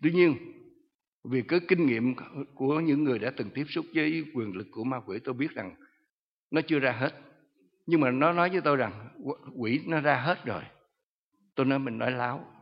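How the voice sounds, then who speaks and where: A man's voice: medium pitch, lively intonation, brisk, big-room sound, lo-fi sound. A man, a pastor telling his testimony in a sermon, earnest and commanding.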